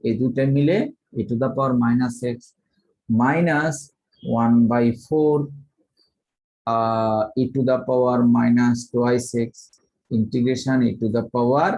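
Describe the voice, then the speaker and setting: A man from Bangladesh lecturing on math, talking slowly and methodically and dictating each formula step by step. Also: mid-range voice, steady tone, darkish tone, dull audio.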